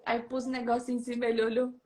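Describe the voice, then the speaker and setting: A woman shares a personal testimony in a high voice. She tells it in a lively way, acting out the people in the story and laughing often. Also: racing. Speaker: guest sharing a testimony. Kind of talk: animated storytelling.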